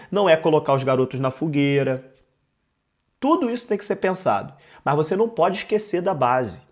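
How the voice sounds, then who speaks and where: A man with a Brazilian Portuguese accent, congested with a cold, giving emphatic, conversational football commentary as a channel host, repeating key phrases. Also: fairly high pitch. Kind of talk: sports news commentary to camera.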